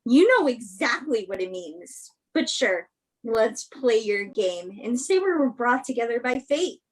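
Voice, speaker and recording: Husky, bitter young woman played by an actress. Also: a little high, sing-song, unhurried, rough recording. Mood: angry, defensive. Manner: confrontational, sarcastic. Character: Emma, bitter, guarded religious young woman. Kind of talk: virtual staged play reading.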